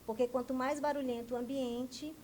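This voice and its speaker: A woman's voice: sits high, steady tone, normal speed, a little mellow, a little hiss or hum. Didactic Brazilian woman explaining voice care. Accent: Brazilian Portuguese. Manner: didactic, asks and answers her own questions. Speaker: speech therapist guest. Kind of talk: explanatory interview answers. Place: TV news studio.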